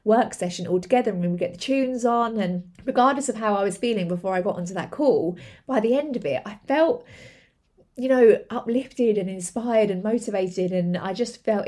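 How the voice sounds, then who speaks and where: A woman hosts a podcast, giving a motivational monologue about running a business. Her voice is mellow and warm, at a middle pitch. She talks earnestly and chattily, with lots of fillers and repeated words. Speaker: podcast host, entrepreneur.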